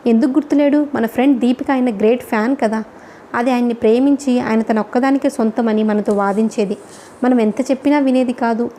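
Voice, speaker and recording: Woman reading as a calm, reflective young woman. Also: a little high, brisk, a little hiss or hum, natural voice. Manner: steady, reflective, lecturing.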